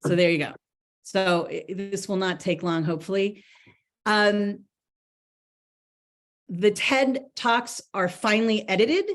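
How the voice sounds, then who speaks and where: A woman's voice: medium pitch, takes it slowly, pauses often. Chatty woman presenting on a video call. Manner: chatty, many ums, restarts mid-sentence. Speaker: grant recipient presenting to a board. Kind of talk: online board meeting presentation.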